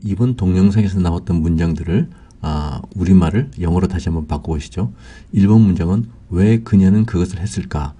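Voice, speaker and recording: A man's voice: sits low, a little fast, warm tone, husky. A man teaching English grammar, explaining example sentences step by step with frequent "ah" fillers.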